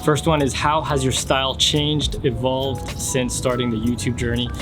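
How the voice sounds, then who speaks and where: Young man from France hosting a casual fashion Q&A, relaxed and chatty, clear background music underneath. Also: mid-range voice, normal speed. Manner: relaxed, reads questions aloud then answers at length. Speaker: fashion YouTuber. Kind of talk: casual Q&A vlog.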